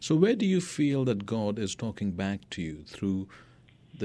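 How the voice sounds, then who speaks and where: A man with an American accent and an ordinary speaking voice at a moderate pace, with ordinary pitch variation over a quiet background. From Indian American. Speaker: radio talk show host. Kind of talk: interview.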